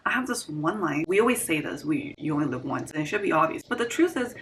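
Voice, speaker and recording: A woman's voice: low voice, sing-song, fast, a little hiss or hum, low-quality recording. A woman in her twenties talking earnestly and reflectively in a personal vlog, repeating phrases for emphasis. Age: 20s. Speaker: vlogger.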